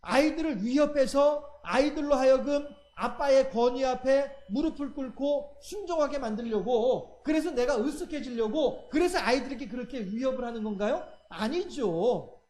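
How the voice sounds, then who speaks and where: A man's voice: very high voice, animated, moderate pace, a little mellow. A middle-aged man, a pastor preaching a sermon, acting out quoted voices and asking his listeners rhetorical questions. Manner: acts out quoted voices of God and children; asks the congregation rhetorical questions.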